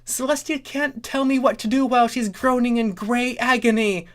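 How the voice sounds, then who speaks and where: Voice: medium pitch, steady tone, moderate pace, pitched above the performer's own voice, lightly acted. A reader voicing a bratty, gleeful younger female pony princess in an obnoxious squeal.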